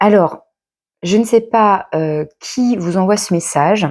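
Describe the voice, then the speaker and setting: A woman's dark, mellow tone at a very slow pace, ordinary pitch variation, and a very clean recording with a silent background. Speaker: tarot card reader. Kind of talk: tarot reading monologue. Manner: hesitant, many fillers.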